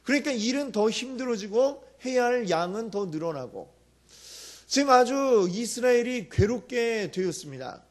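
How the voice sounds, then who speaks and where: A male pastor preaching a sermon, telling a story with lively acted-out quotes and asking the congregation questions. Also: extremely high pitch, moderate pace.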